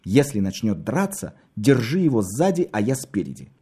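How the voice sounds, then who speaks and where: A man's voice: fairly low pitch, sing-song, normal speed, dark tone, husky. A man voicing a blunt, irritable man in a story.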